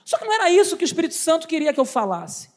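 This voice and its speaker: A woman with a high voice gives an animated church testimony. She acts out every exchange as she tells the story, rushing ahead, then slowing down for effect. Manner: animated storytelling, acts out dialogue, stammering asides. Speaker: lay preacher giving a testimony. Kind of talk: testimony preaching.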